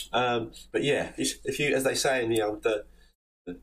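This is a man talking with a London accent. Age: 50s. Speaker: plasterer hosting a call-in livestream. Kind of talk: live call-in Q&A. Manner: chatty, rambling.

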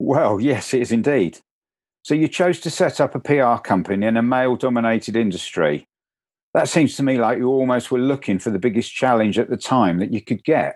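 Recorded very cleanly over a silent background, a man with a normal speaking voice talks with lively intonation. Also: medium pitch for a man, fairly quick pace. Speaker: podcast host. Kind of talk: interview, professional.

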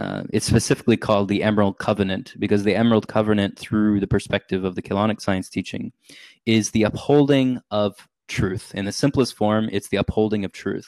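A man with a Canadian accent and a normal speaking voice talks at a fairly quick pace in a fairly low pitch with fairly even intonation, recorded very cleanly with a silent background and a dry, close sound with no echo. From Canada, mainly Ottawa. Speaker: spiritual teacher. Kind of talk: casual interview chat.

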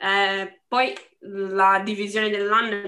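A woman with a Portuguese accent speaks at a medium pitch in a bright, sharp tone, on a very clean recording with a silent background. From Brazil, São Paulo. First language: Portuguese (speaking Italian). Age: 20s. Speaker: university student. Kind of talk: casual chat.

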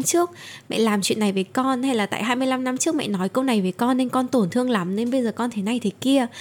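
At a fairly quick pace, a woman talks in a high pitch with ordinary pitch variation. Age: 30s. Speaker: podcast host, mental health coach. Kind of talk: monologue podcast.

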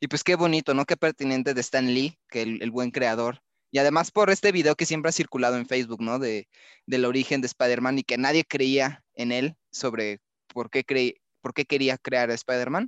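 A man speaks in a normal speaking voice at a medium pitch and moderate pace. The sound is dry and close with no echo, over a quiet background. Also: ordinary pitch variation. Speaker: podcast host. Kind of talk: casual chat. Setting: video call.

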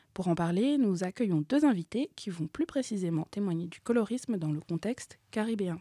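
A woman talks at a moderate pace with lively intonation and a dark, mellow tone. The sound is dry and close with no echo, a very clean recording over a silent background. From Cameroon. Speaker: podcast host. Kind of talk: casual chat; scripted narration.

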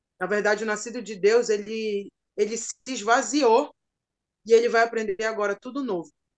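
A woman with a plain, everyday voice speaks at a fairly high pitch with fairly even intonation. Her loudness swings widely. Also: moderate pace. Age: 20s. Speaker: pastor and missionary. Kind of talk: religious teaching talk.

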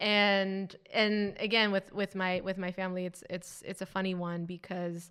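A woman speaks at medium pitch. Her intonation is monotone and flat, and her pace is moderate. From Hong Kong. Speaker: startup founder. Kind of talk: interview.

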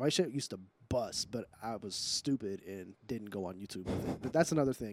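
At a fairly quick pace, a man speaks in an unremarkable speaking voice of medium pitch. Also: lively intonation. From Pittsburgh, US. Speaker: comedian and internet personality. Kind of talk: casual chat.

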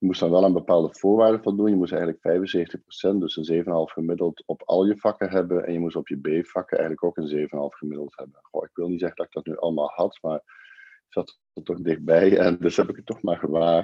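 Speaking at a fairly quick pace with fairly even intonation, a man uses a very deep, low pitch, and his loudness swings widely. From Netherlands, Nijmegen. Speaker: surgeon. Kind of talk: interview.

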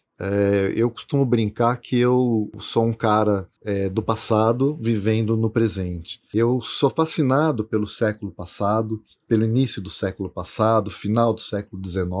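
A man's unremarkable speaking voice at medium pitch, with ordinary pitch variation, a fairly slow pace and hardly any pauses, in a very clean recording with a silent background and a dry, close sound with no echo. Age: 50s. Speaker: novelist. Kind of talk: interview.

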